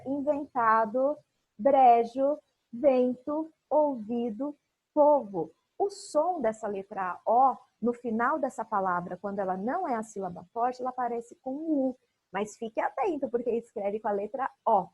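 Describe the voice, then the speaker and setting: A woman's voice: fairly high pitch, normal speed, a little mellow, breathy edge, no echo, poor audio. A woman with a Brazilian Portuguese accent teaching a recorded online class for young children, patiently explaining and drawing out example words.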